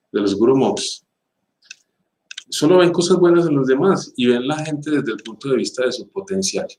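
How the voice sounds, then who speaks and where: A man with a fairly low voice delivers a spiritual teaching. He speaks emphatically and rhetorically, piling up repeated phrases, and turns slow and calm when he guides a meditation. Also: poor audio.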